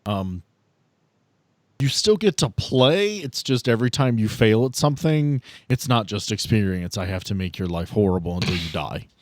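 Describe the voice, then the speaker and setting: A man's voice: on the low side, lively intonation, normal speed. A man acting as game master of a tabletop game, casually narrating the action and giving rulings.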